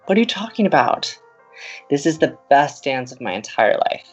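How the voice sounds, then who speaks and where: An actor playing an earnest, smitten young man who co-hosts college radio, speaking in a halting, tender, teasing way in an audio romantic comedy. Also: fairly high pitch, sing-song, lo-fi sound, soft background music. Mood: playful, smitten. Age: young adult.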